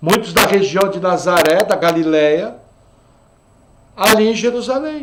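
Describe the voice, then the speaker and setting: A man speaks at a very slow pace in a high pitch with lively intonation. The room echo is audible. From Brazil, São Paulo. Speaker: pastor. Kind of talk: sermon / Bible study. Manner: conversational.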